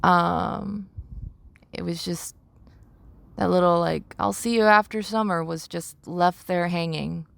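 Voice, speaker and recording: Slow, creaky-voiced young woman. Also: fairly low pitch, fairly even intonation, fairly bright tone. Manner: halting, searching for words, with repeated phrases. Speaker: podcast host. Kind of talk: reflective personal monologue.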